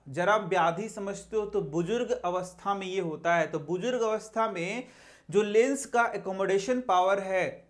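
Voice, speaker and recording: A man teaching a science lesson, asking questions and answering them himself. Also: high voice. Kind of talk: Hindi classroom lesson.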